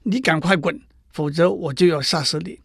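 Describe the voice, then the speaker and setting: A harsh, jealous sorceress queen from a storybook fable, as a man reads her lines. The voice is high-pitched and gravelly, and it sounds close and dry. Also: normal speed, no room sound. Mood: eager.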